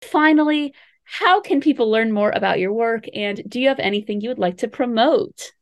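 Woman, podcast host, fairly high voice, very animated intonation, casual interviewing. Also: normal speed. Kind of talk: casual interview with brief responses.

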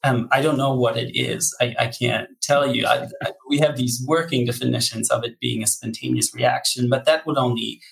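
A man's voice: medium pitch, fairly even intonation, moderate pace, creaky, fairly bright tone, low-quality recording. A man being interviewed as a psychology researcher, answering candidly with frequent ums and restarts.

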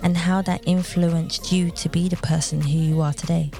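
Podcast host: woman, lowish voice, upbeat and encouraging, soft music under her. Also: level tone, moderate pace, creaky. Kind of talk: podcast interview.

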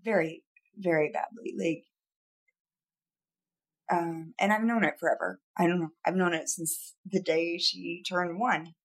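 A woman's voice: fairly low pitch, steady tone, a little slow. Earnest, rambling woman on a podcast. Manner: earnest, rambling with many fillers and restarts. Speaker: podcast co-host. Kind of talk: casual chat. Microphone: studio podcast mic.

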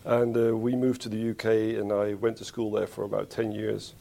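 A man from the Netherlands, a spine surgeon being interviewed, who talks in a thoughtful, unhurried way and corrects himself as he goes. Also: lowish voice, monotone, gravelly, warm tone. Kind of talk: conversational interview.

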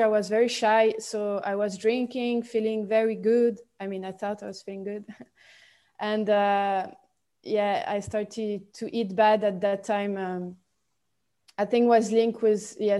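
Soft-spoken Swiss French woman, slow and mellow. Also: mid-range voice. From Switzerland. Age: 20s. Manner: halting, many fillers and restarts. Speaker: guest. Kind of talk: podcast interview.

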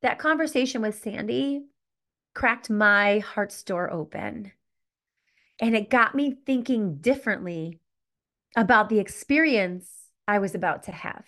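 A woman's voice: medium pitch, a little slow, fairly bright tone. A middle-aged woman hosting a solo podcast, telling a personal story candidly and reflectively, often stopping to correct herself. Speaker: podcast host.

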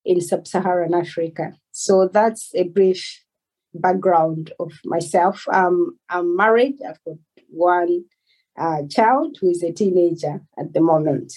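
A Malawian woman in her forties, a doctor answering interview questions in a measured, earnest way. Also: fairly low pitch, a little mellow, breathy edge, rough recording. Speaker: guest, consultant doctor.

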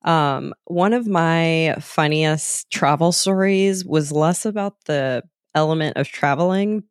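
A woman's voice: low voice, slow pace, clear, resonant tone, dry recording, clean studio sound. A young adult woman from the South, co-hosting a podcast and laughing often as she tells stories. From American South. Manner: upbeat, laughs often while telling stories. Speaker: podcast co-host. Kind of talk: casual chat.

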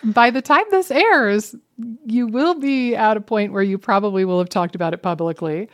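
A woman's voice: mid-range voice, normal speed. A woman co-hosting a podcast, chatting casually in a playful way with dramatic asides. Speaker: podcast co-host. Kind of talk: casual chat. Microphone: webcam setup.

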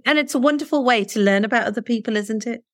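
A woman's voice: on the high side, fast, dry recording, studio quality. Earnest woman posing rhetorical questions. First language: Punjabi. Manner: persuasive, asks rhetorical tag questions. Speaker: interview guest. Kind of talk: earnest conversational interview.

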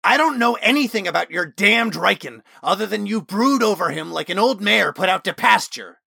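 A male narrator voicing a reserved young warrior who speaks flatly, then shouts in fury. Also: medium pitch, normal speed, vocal fry, no room sound, clean studio sound, exaggerated voice. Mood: furious. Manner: flat, reserved speech turning to furious shouting. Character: stoic young male warrior, storm-tempered.

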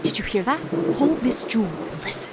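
A woman's voice: mid-range voice, very animated, fairly quick, gravelly, very noisy. A woman playing a sly jewel seller in an audio play, confiding a tale to the listener in a teasing, theatrical way. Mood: mysterious, inviting. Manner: conspiratorial, teasing, dramatic storytelling. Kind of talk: audio drama narration addressed to the listener. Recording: music playing behind the voice.

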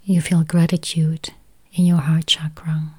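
A woman guiding a meditation in a soft whisper, counting and repeating slow, gentle phrases. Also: sits low, flat delivery, slightly rough. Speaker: meditation guide. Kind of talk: guided meditation.

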